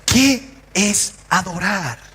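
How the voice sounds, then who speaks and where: A pastor preaching to his congregation, his voice pitched very high. He keeps asking the listeners questions and acts out short scenes in changing voices. His words ring out through a reverberant church hall. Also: expressive, very slow, sharp tone, husky. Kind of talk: sermon.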